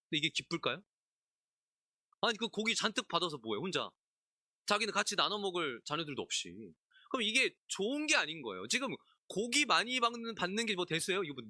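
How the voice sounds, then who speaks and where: Man, pastor, midweek sermon, conversational, slightly high voice, dry close sound. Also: no echo. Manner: lively, conversational, asks the congregation questions; acts out biblical characters in asides, laughs often. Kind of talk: expository sermon at a midweek service.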